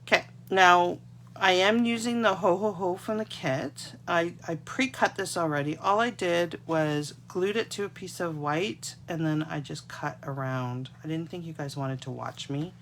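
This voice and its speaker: A Canadian woman, congested as a cold sets in, demonstrates card-making in a casual live tutorial and chats to viewers while she works. She speaks on the low side, a little slowly and a bit brightly, with slight background noise, and the overhead desk camera captures only her hands.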